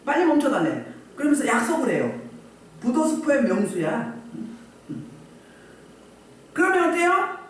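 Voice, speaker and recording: A woman pastor preaching a sermon, animated and asking the congregation rhetorical questions. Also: sits high, measured pace, pauses often. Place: church hall. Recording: echoey church hall, voice from a distance.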